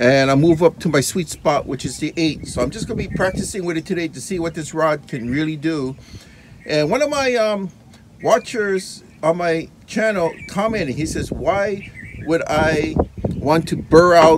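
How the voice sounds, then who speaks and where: Over noticeable background noise, a man talks with a high-pitched voice. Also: ordinary pitch variation, moderate pace. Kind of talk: tutorial. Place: open country.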